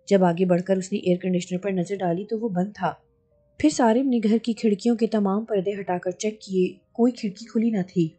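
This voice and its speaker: A woman narrates a horror audiobook in a measured, steady way. Her voice is very dark and husky. Soft music plays faintly behind her. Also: mid-range voice. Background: faint background music.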